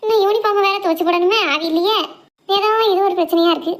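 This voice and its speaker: A woman's voice: very high-pitched, fairly even intonation, fast. A woman voicing a tired, affectionate, grumbling village mother in a cartoon, chattering in a Tirunelveli Tamil accent. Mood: weary, grumbling. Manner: colloquial, chattering, complaining. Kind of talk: homemade cartoon family drama.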